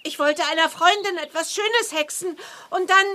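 A woman's voice: extremely high pitch, normal speed, sharp tone. An actress playing an earnest, contrite young girl witch in a children's radio play. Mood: contrite, pleading.

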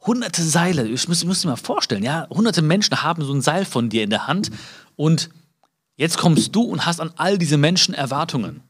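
A man giving a live motivational talk. He speaks to his listeners directly, acts out little dialogues and jumps high in pitch to stress a point. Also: sing-song, normal speed, husky. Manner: many fillers and restarts, acts out small dialogues.

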